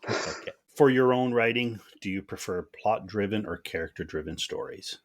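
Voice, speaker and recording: A man's voice: lowish voice, moderate pace. A man hosting a podcast, asking questions in a chatty, friendly way. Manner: friendly, chatty, asks follow-ups. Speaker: podcast host. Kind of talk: casual interview questions.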